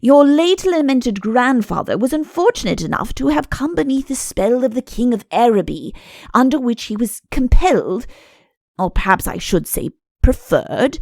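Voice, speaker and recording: A woman's voice: high voice, sing-song, normal speed, darkish tone, no room sound, studio quality, pitched above the performer's own voice. A woman voicing an obsequious, cautious, long-winded male chancellor in a comic audiobook, pleading and deferential. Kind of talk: audiobook comic character acting.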